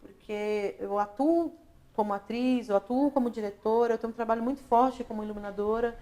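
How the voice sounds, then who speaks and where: Her voice is a little high, steady and warm, and she speaks briskly. She is a Brazilian actress, director and lighting designer being interviewed casually on a local social-media talk show, reflecting thoughtfully, frequently adding "né?" and starting her phrases over.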